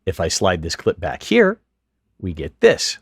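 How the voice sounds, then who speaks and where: A man giving scripted, methodical step-by-step instruction as a software tutorial narrator. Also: deep voice, wildly swooping pitch, measured pace, over music. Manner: clear, methodical, step-by-step explanation. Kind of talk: scripted instructional narration over screen demo.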